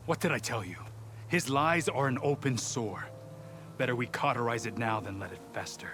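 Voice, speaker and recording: An actor playing a stern, distrustful tribal warrior in a video game, speaking bluntly and formally. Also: male voice, medium pitch, normal speed, background noise, natural voice. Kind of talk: video game cutscene acting. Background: music.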